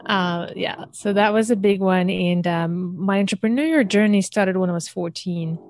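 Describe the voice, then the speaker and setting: A woman from Algeria, an entrepreneur and podcast guest, telling her story in an animated way and laughing often. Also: medium pitch, a little hiss or hum. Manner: animated, laughs often, talks fast in bursts. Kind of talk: casual interview storytelling.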